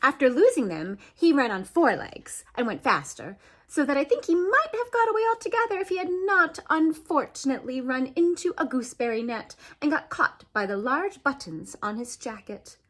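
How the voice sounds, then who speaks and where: Woman, high-pitched voice, children's storybook narration, expressive and lively, dramatic pauses. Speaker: storybook reader.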